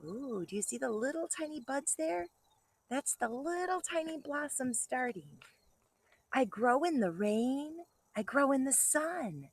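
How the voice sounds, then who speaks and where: A woman kindergarten teacher reading to young children, enthusiastic and expressive, breaking off for chatty asides and questions to her listeners. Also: high-pitched, a little slow. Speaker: kindergarten teacher reading a picture book to pupils.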